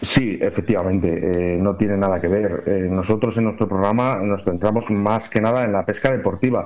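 A man with a fairly low pitch talks at a moderate pace, hardly pausing at all. His intonation stays fairly even over noticeable background noise. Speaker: radio presenter. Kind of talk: interview.

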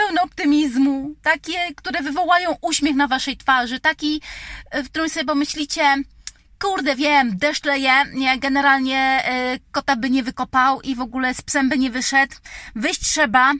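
A woman's raised, projected voice, high-pitched with a bright, sharp tone, ordinary pitch variation and a moderate pace, dry and close with no echo. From Poland, Lower Silesia (Bogatynia). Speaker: podcaster. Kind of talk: casual monologue. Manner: animated.

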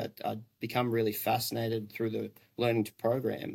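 A man with an Australian accent, flat and monotone, at a fairly quick pace. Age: 20s. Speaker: construction tech founder. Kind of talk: podcast interview. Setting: remote call.

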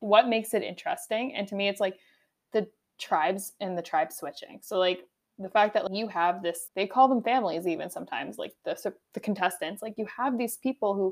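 Here is an ordinary speaking voice. Its speed is moderate, and its pitch varies in ordinary ways. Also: woman. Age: 20s. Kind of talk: casual chat.

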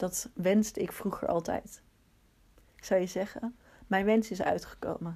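A woman speaks at a medium pitch in a dark, mellow, somewhat breathy tone, her intonation fairly even, her loudness swinging widely, with long and frequent pauses. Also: fairly slow pace. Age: 20s. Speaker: coach for people with language disorders. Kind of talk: personal monologue podcast. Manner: halting, with many fillers.

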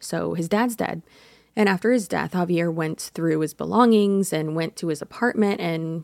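In a very clean recording with a silent background, an unremarkable speaking voice with a General American accent moves at a moderate pace with ordinary pitch variation. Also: woman. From United States. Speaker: podcast host. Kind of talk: scripted true-crime narration. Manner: casual, chatty.

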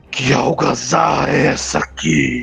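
Raspy and fairly slow, a man performs in a put-on character voice. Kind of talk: annoyed demand. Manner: imposing, commanding.

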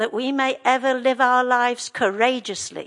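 In a West Midlands accent, a woman with a high-pitched, bright and sharp voice speaks at a fairly slow pace against a quiet background. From English Midlands, Stafford. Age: 70s. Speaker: retired teacher, runner. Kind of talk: personal testimony. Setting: church. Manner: lively.

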